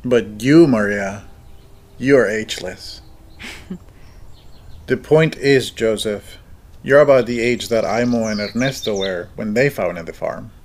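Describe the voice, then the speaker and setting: A man's voice: fairly low pitch, a little slow, long pauses, a little mellow, slight background noise. A man playing a proud, jovial middle-aged father and farmer in an audio drama. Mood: proud, teasing. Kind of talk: naturalistic audio drama acting.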